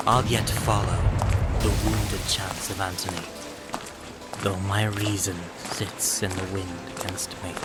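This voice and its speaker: An actor playing a dismayed, weary Roman officer in a Shakespearean audio drama, speaking in a declamatory, deliberate way. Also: male voice, low-pitched, steady tone. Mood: resigned. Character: dismayed, weary male Roman officer, loyal against reason. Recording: loud background music.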